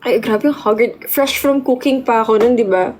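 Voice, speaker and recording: A young woman telling a story on a casual live stream, chatty and excitable. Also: fairly high pitch, normal speed, slight background noise. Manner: chatty, excitable, mixes Tagalog and English.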